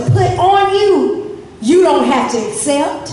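A woman speaks in an animated tone with lively intonation. Strong room echo and light background noise surround her voice. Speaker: preacher. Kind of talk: sermon. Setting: church youth revival. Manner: animated, rising preacher's cadence; emphatic, exhortation to the youth. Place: church. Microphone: pa.

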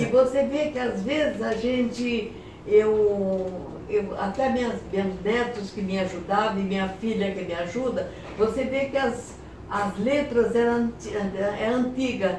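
Speaking very slowly with a fairly high pitch and ordinary pitch variation, a woman is heard over light background noise with audible room echo. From Brazil. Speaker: TV cooking presenter. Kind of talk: interview answer. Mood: warm, nostalgic. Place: home room.

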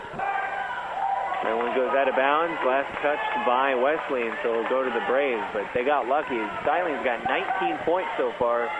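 A man with a fairly high pitch, dry sound with no echo, and loud background noise. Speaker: radio sports announcer. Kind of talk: live sports commentary. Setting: courtside broadcast. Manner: animated, reactive to game action.

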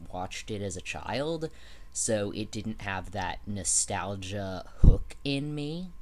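The intonation is lively as a man talks. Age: young. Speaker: college student, guest; guest. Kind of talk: casual chat. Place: home room. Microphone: webcam.

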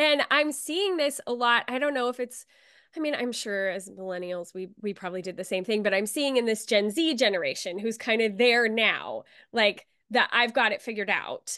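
Against a quiet background, a woman talks at a moderate pace in a fairly high, bright, sharp voice with lively intonation. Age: 40s. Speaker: podcast host. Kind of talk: interview. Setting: video call. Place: home room. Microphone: earbuds.

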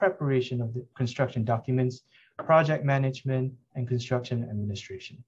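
Against a quiet background, a man speaks at a fairly quick pace in a somewhat breathy voice with ordinary pitch variation. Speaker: event host introducing lecturer. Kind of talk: formal introduction. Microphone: video call.

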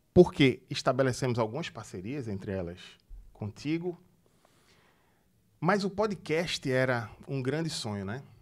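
Against a quiet background, a man with a Pernambuco accent talks at a fairly slow pace, his pitch swinging very widely, his loudness rising and falling sharply, and his speech broken by long, frequent pauses. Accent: Pernambuco, Recife. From Recife, Pernambuco, Brazil. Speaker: podcast co-host, traffic educator. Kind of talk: casual podcast chat. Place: studio. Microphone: studio mic.

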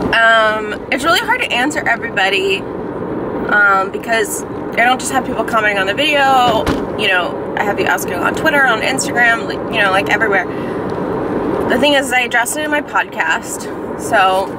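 A woman talks at a moderate pace amid loud background noise. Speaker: vlogger. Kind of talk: casual vlog chat. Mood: concerned, animated. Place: car. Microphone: phone near.

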